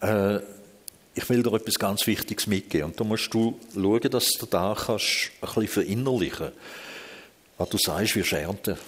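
Swiss German man recounting his past, low voice, blunt and frank, long reverb. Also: fairly bright tone. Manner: candid, blunt, emotional storytelling. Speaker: interviewee. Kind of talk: personal life story in an interview.

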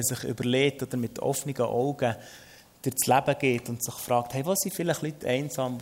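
A man hosts a faith-based conversation, as the show's preacher. He talks reflectively, thinking aloud with little fillers. His voice sits at an ordinary middle pitch for a man. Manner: reflective, with frequent "äh" and soft "mhm" replies. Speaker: host and preacher. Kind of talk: hosting a faith-based talk.

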